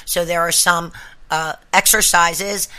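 A woman's voice: on the low side, fairly even intonation, slow, bright, forceful tone. A woman hosting a podcast, talking casually and directly to her listeners in an encouraging, instructive way. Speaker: podcast host.

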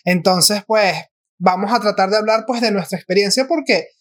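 A young man with a high-pitched voice talks casually on a podcast. He stumbles and restarts often. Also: moderate pace, fairly bright tone. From Venezuela. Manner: restarts, mimics Spanish and Argentine slang for laughs. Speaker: podcast co-host. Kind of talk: casual chat.

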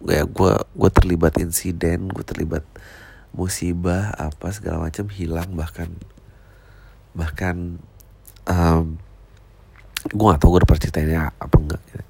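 A man's voice: low-pitched, fairly even intonation, moderate pace, creaky, pauses often, darkish tone, slightly rough, dry recording. A man, a stand-up comedian talking casually and reflectively, full of slang, swearing and English phrases.

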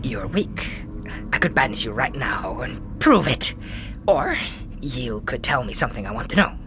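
A woman's voice: a bass voice, sing-song, normal speed, over music, exaggerated voice. A woman playing a fierce, paranoid spirit hunter in a fantasy audio drama, with an erratic, muttering and snarling delivery. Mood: hostile, cunning.

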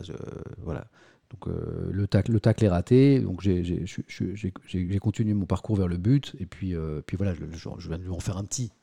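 Gravelly chatty French streamer man. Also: medium pitch, mellow. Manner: chatty, self-mocking, addresses the chat, many fillers. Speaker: press review host and streamer. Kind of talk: casual live-stream commentary.

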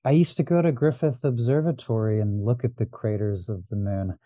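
A man with a deeply mellow, dark voice talks through his memories in a loose, rambling way, circling back with restarts. He sounds like a podcast guest in casual conversation. The recording is dry and close, with no room sound. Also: fairly quick, no echo. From Los Angeles. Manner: reflective, rambling, frequent restarts and fillers. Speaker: podcast guest, astrologer and diviner.

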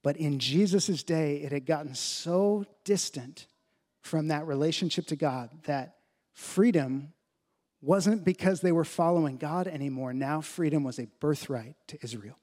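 A man preaching a sermon as pastor, teaching emphatically and slowing down carefully on key phrases. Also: a little mellow. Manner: emphatic teaching, rises in pitch to stress points; slows down deliberately on key phrases.

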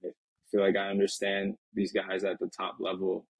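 Low flat husky young man. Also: dry recording, poor audio. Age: 20s. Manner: reflective, halting, many restarts. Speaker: professional soccer player, guest. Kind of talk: casual interview talk. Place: Lisbon.

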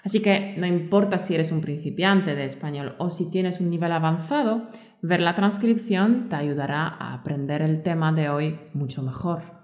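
A woman from with a somewhat low voice, teaching a scripted grammar podcast. She reads example sentences in a clear, friendly tone. The room adds a noticeable echo. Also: normal speed, darkish tone. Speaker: podcast co-host and Spanish teacher. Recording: roomy echo.

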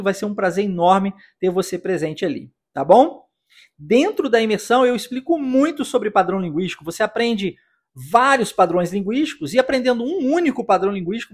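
A Brazilian man teaching an English lesson, upbeat, slowly drilling phrases for his listeners to repeat. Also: high-pitched, husky. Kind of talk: English lesson for Portuguese speakers.

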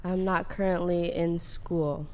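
A woman in her early twenties, a podcast guest, answering quietly and unhurriedly. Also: on the low side, fairly even intonation, slow pace, a little hiss or hum. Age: early 20s.

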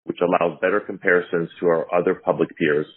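A man's voice: low voice, little pitch movement, fast, husky. A man presenting financial results as a company executive on an earnings call, in a formal, polite, scripted delivery. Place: corporate earnings conference call. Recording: muffled, phone-like conference call line.

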